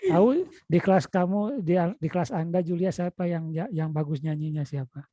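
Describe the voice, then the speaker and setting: This man teaches an online class in Sundanese-accented Indonesian, coaxing and calling out to students over and over. His voice is mellow and on the high side, moving at a moderate pace, and the dull, lo-fi video call recording is dry.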